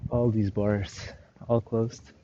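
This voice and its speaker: A man's voice: lowish voice, flat delivery, slow pace, mellow, dull audio, a little hiss or hum. A Flemish man whose first language is Dutch, chatting casually on a live-stream walking tour of city streets at night and answering viewers' questions with lots of hedging.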